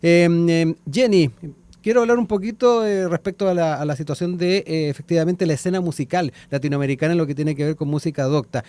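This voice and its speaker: A man hosting a radio interview, brisk and quick to chime in. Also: a little high, steady tone, mellow. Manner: brisk, frequent backchannels. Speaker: radio host.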